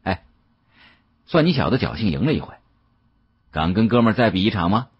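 Cocky young male challenger performed by a male reader, flippant, slangy, very husky, lively pitch, audiobook. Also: a little fast, full character voice. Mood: challenging. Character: cocky, sneering young man, brash antique challenger. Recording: dull, muffled audio.

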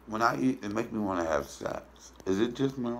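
A man's voice: on the low side, animated, normal speed, a little hiss or hum. A man in his fifties talking casually on camera while chewing a mouthful of food, blunt and profane. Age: 50s. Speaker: mukbang vlogger. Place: indoors in front of a green wall.

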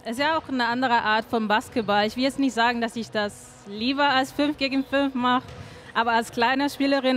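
A young woman from Sardinia speaking German with an Italian accent, answering interview questions in a soft, halting way as a basketball player. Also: a little high, a little hiss or hum. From Sardinia, Italy. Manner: soft-spoken, halting, often says "genau". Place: indoor studio in front of a sponsor wall. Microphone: handheld mic held out by the interviewer.

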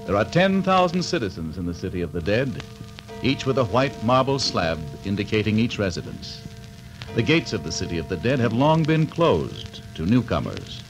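A man's voice: medium pitch, low-quality recording. A man announcing and narrating a 1940s radio drama in a dramatic, ominous way. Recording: old radio broadcast with faint music.

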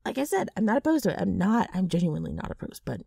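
A woman acts out a brash ghoul woman in an ASMR roleplay, rough and dark-toned. Her pitch swings widely as she wheedles and needles with sardonic mischief. The sound is very dry and close. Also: sing-song, fast talker, no echo, exaggerated voice. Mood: baffled, wary. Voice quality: rough, gravelly.

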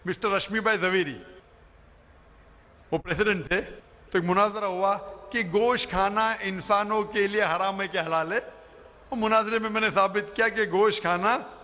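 A middle-aged male preacher with a fairly high, bright, forceful voice explains his points emphatically, again and again checking that the crowd follows him. He speaks into a stand microphone on a big arena stage, and a long hall reverb trails behind his words. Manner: emphatic, explanatory, often asks "you understand?". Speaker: Islamic preacher answering audience questions. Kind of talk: public question-and-answer lecture. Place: huge indoor arena stage before a large crowd.

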